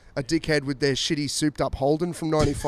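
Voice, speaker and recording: A man with a strong Queensland accent, the sound dry and close with no echo. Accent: broad Australian, Queensland. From Queensland, Australia. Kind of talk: casual, swearing.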